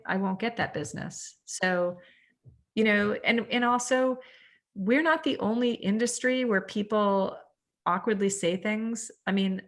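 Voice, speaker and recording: A woman's voice: mid-range voice, fairly bright tone. A woman leading an online real estate training class, talking candidly and chattily, with lots of "like" and acted-out quotes of herself. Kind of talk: motivational online class talk. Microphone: video call.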